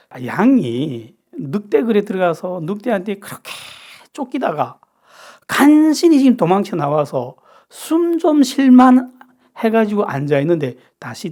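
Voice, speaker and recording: Lively North Korean-born pastor preaching. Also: male voice, high-pitched. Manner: lively, asks the audience rhetorical questions. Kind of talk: sermon, Bible study.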